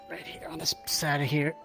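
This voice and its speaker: A woman's voice: low voice, vocal fry. A woman making casual, improvised roleplay conversation. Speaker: roleplayer in a virtual-reality game.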